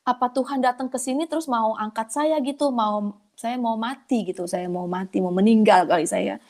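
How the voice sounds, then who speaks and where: A woman telling her own faith testimony in casual storytelling, animated and often restarting her sentences. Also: a little high, moderate pace. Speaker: testimony speaker.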